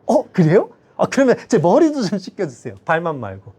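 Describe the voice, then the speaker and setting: A preacher voicing Peter, eager and boastful. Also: male voice, high-pitched, wildly swooping pitch, fast talker, darkish tone, full character voice. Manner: eager, protesting. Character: impulsive boastful male disciple Peter. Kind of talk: acted quote in a sermon.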